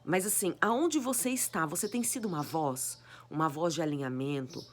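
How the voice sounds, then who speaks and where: A woman preaching a sermon with a hoarse, cracked voice, exhorting her listeners with repeated rhetorical questions. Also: low voice, normal speed, slight background noise. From Brazil. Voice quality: raspy, cracked voice.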